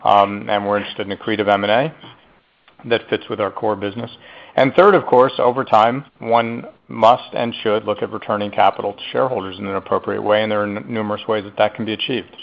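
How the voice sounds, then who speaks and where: A man with a lowish voice speaks in a measured, deliberate way and leans hard on the words he wants to stress. The sound is muffled and dull, like conference call audio. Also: fairly even intonation, creaky. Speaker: company executive answering analysts. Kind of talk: earnings conference call answer.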